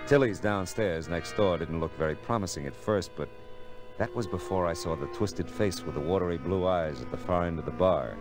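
Guy doing a tough wisecracking detective, real low voice, old time radio, music behind. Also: moderate pace, lightly acted. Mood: wry narration. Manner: wry, sardonic. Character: hard-boiled, wisecracking male private detective. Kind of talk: 1940s radio detective acting with first-person narration.

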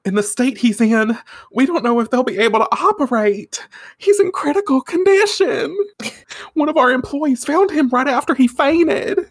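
A woman's voice: high-pitched, lively intonation, moderate pace, husky, pitched above the performer's own voice, full character voice. A woman voicing a tearful, anxious mother from a comic, with a worried, dramatic delivery. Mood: distraught. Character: tearful, anxious mother who owns a karaoke bar. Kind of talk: casual acted retelling of a comic.

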